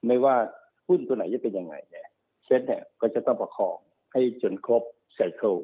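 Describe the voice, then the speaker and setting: A man working as a stock market analyst, explaining market cycles quickly and repeating himself, often checking that the listener follows. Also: mid-range voice, slightly rough. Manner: fast, repetitive explaining, often checks understanding. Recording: narrow phone-like sound.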